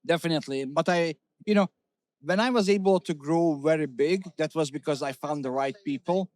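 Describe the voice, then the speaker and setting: A man's voice: a little high, fairly quick, a little mellow, no room sound, clean studio sound. A middle-aged man from Hungary, a company CEO talking candidly in an interview, with many fillers and restarts. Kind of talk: casual interview talk.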